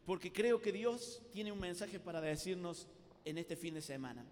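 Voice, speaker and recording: A man with a Córdoba Argentine accent, preaching a lively retreat sermon as an animated showman who acts out scenes, in a large hall. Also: sits high, normal speed, slight background noise. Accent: Córdoba Argentine Spanish. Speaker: Catholic youth preacher. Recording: long reverb of a big hall.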